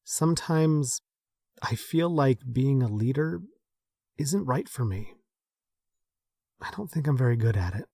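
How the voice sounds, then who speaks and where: An actor playing a modest, self-doubting leader, hesitant and thoughtful, in naturalistic audio drama dialogue. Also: male voice, medium pitch, lively intonation, unhurried, gravelly, pauses often, dark tone, no room sound, clean studio sound. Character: modest, self-doubting man leading a small group.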